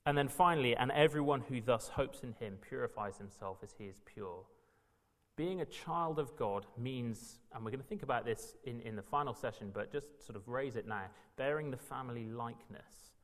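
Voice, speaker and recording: A man's voice: medium pitch, normal speed. A man from Wales, teaching a Bible session in an earnest, emphatic way that builds in bursts. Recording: reverberant hall.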